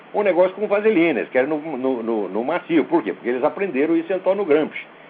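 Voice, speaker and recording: Noticeable background noise sits behind a man talking at a very fast pace. His tone is animated, and his pitch swings very widely. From Brazil. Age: 60s. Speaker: radio show host. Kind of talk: call-in show commentary.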